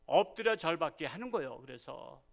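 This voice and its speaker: A man's voice: a little high, expressive, moderate pace, creaky. A male pastor preaching a sermon in a folksy way, acting out family quarrels in the voices of drunk fathers and their children. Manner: folksy preaching, acts out quoted family dialogue.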